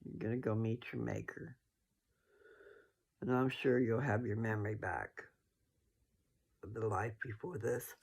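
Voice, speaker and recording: Gravelly, sleepy man rambling about scripture. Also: on the low side, steady tone, unhurried, pauses often. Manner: folksy, rambling, self-correcting. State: sleepy, yawning. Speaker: host reading and discussing scripture. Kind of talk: casual rambling religious commentary to followers.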